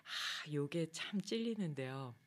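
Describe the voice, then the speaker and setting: A woman who teaches meditation yoga, giving a casual talk in a soft, low-key way, her phrases trailing off quietly and turning higher and livelier when she acts out her own past complaints. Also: animated, takes it slowly. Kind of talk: casual spoken talk on a daily theme.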